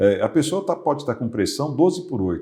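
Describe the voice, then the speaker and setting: Somewhat breathy and at a fairly quick pace, a man speaks in a dark, mellow tone with very wide pitch swings. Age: 60s. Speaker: business school professor. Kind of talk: podcast interview discussion. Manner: conversational, explanatory.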